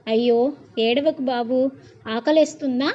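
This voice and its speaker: Woman narrator doing a kind young woman selling peanuts on the street, coaxing and gentle. Slightly high, dull lo-fi sound. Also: unhurried, lightly acted. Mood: soothing.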